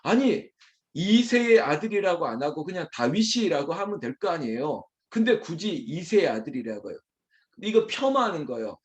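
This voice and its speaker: A man's voice: a little high, big pitch swings, normal speed. A man preaching as pastor at an early morning prayer service, talking animatedly and addressing the congregation directly.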